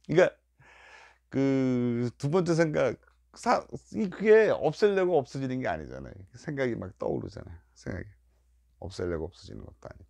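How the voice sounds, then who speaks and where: Gravelly older man giving a dharma talk. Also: mid-range voice, very animated, moderate pace, no echo. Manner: repetitive, acts out worried inner voices; emphatic, rising and falling loudness. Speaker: Buddhist dharma teacher. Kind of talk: Buddhist dharma lecture.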